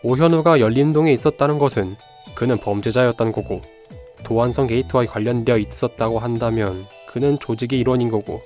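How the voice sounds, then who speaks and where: Man as young amateur sleuth in radio mystery. Medium pitch, analytical, assured, music underneath. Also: brisk, a little mellow, close to an everyday voice. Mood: deducing. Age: young adult. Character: sharp young male amateur detective, piecing clues together. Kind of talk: audio drama acting, deductive monologue.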